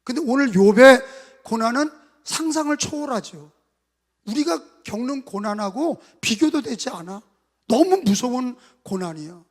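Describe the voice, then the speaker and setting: High-voiced impassioned Korean pastor preaching. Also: male voice, long reverb tail. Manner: impassioned preaching, leads congregation in repeating phrases. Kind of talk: sermon. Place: church sanctuary.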